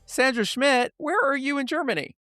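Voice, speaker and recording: A man's voice: very high-pitched, expressive, normal speed, bright, forceful tone, no echo, studio quality, soft background music. A man hosting a podcast in an upbeat, conversational style, with a folksy, emphatic and playful delivery. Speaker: podcast host.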